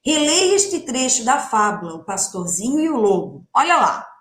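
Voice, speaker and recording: A woman's voice: on the high side, sing-song, moderate pace, echoey room, slight background noise. A woman teacher with a Brazilian Portuguese accent, giving a recorded lesson to young children, stretching out words and asking the class questions. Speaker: primary school teacher.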